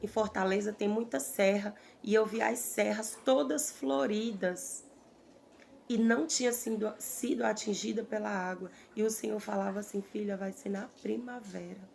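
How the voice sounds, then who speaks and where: A woman, earnestly recounting a prophetic vision in halting, repeated phrases. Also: medium pitch, fairly even intonation, creaky, darkish tone, a little hiss or hum. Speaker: prophetic preacher.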